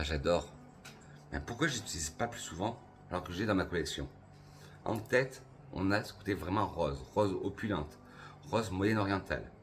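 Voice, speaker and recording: A man from France reviewing perfumes for his channel in a casual, enthusiastic way, slowly listing notes with pauses. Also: low-pitched, a bit bright, a little hiss or hum. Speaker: perfume youtuber.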